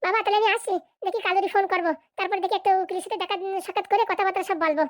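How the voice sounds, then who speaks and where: A woman's voice: extremely high pitch, fairly even intonation, very fast, no echo. A woman voicing an eager, deferential young village son in a comedy cartoon, with stammering starts. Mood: deferential, hopeful.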